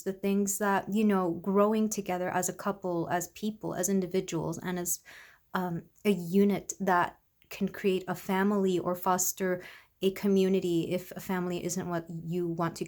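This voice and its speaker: A woman with a congested voice, recovering from illness, giving a soft, rambling tarot reading to her viewers. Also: medium pitch. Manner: soft, rambling, with many fillers. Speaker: tarot reader. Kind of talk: casual tarot reading to camera.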